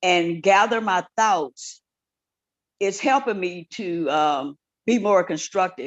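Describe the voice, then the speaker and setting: In an American accent, a woman at a medium pitch speaks very slowly with lively intonation, the sound dry and close with no echo. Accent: sounds like Louisiana to others. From Texas. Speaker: study group participant. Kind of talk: group study discussion.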